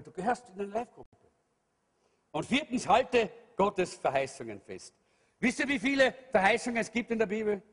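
Emphatic high-voiced preacher in hall. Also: male voice. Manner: emphatic preaching, calls out to the congregation, swings loud and soft. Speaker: pastor. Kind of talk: sermon. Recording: long hall reverb.

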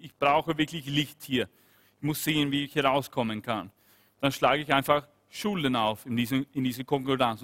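A man's voice: medium pitch, a bit bright, big-room sound. A man giving earnest sermon-style Bible teaching, repeating phrases and asking his listeners questions.

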